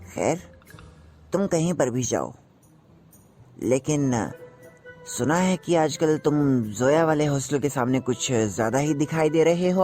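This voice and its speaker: An actor playing a nagging older uncle who scolds and teases in a slow, deliberate way. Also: male voice, a little high, darkish tone.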